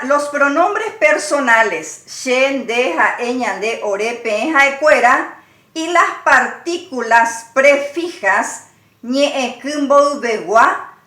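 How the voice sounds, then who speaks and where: Slow, high-voiced woman teaching a lesson. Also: bright, forceful tone, roomy sound. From Paraguay. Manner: slow, carefully spelled-out conjugation drills. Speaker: language teacher. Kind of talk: slow, deliberate language lesson.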